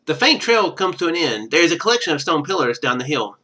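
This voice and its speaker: A man with a bright, fairly high voice plays a game for a live stream. He reads the on-screen narration aloud with very animated pitch, then drops into casual commentary with wry, sarcastic asides. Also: quick pace.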